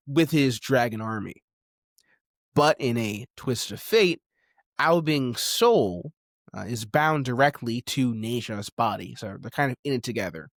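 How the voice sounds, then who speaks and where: A man hosting a video essay, speaking in a conversational, emphatic way with dramatic pauses. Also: medium pitch, no echo, clean studio sound. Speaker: podcast host and video essayist.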